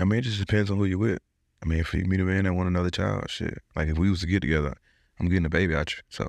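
A man's very deep, low voice at a very fast pace, fairly even in intonation, dry and close with no echo, over a quiet background. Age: 30s. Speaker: relationship podcaster. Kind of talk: casual interview chat.

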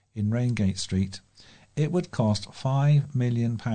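A man with a British accent, somewhat breathy, dark and mellow, with lively intonation over a quiet background. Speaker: volunteer news reader. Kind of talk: news reading.

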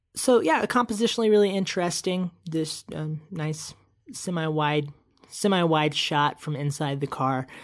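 A woman with a very deep, low voice speaks at a fairly slow pace in a playful tone, her pitch varying in an ordinary way against a quiet background. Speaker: podcast host and video creator. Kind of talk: casual solo commentary, scrolling through a feed. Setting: recording at a computer, video and podcast. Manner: rambling, self-deprecating, playful.

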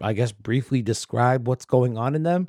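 Pitch shifts in an ordinary way throughout this natural reading voice.

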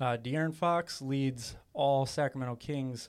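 On a very clean recording with a silent background, a man with an unremarkable speaking voice talks at a fairly slow pace, with a medium pitch and fairly even intonation. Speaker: sports podcast co-host. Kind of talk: casual postgame chat.

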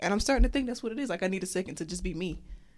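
In a very clean recording with a silent background, a woman talks with ordinary pitch variation. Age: 20s. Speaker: podcast co-host. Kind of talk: casual chat.

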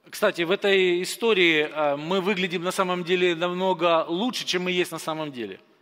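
Over noticeable background noise, a man with a high pitch talks at a moderate pace with fairly even intonation. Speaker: preacher. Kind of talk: sermon. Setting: church.

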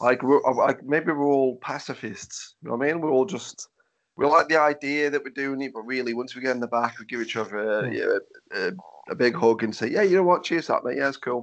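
Against a quiet background, a man with an English accent and a fairly high voice talks at a fairly quick pace with ordinary pitch variation. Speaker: podcast host and wrestling promoter. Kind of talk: casual chat.

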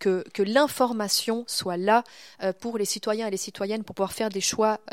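In a very clean recording with a silent background and a dry, close sound with no echo, a woman with an unremarkable speaking voice talks at a moderate pace, her fairly high pitch kept to a fairly even intonation. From Switzerland, Vaud (Gros-de-Vaud). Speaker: author and humanitarian worker. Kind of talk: public talk and interview.

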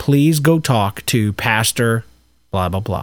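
In an ordinary speaking voice, a man with an American accent speaks fairly slowly at medium pitch with lively intonation, in a very clean recording with a silent background. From US inner city. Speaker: children's pastor, podcast host. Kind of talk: casual monologue.

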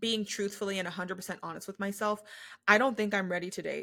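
In a very clean recording with a silent background, a woman speaks at medium pitch in an animated, bright and sharp tone. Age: 20s. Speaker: podcast host. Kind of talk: casual monologue.

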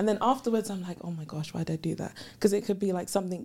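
With a London accent, a woman speaks at medium pitch in a dark, mellow tone. Her intonation stays fairly even. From London, of Ghanaian heritage. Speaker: coaching client. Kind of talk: casual chat.

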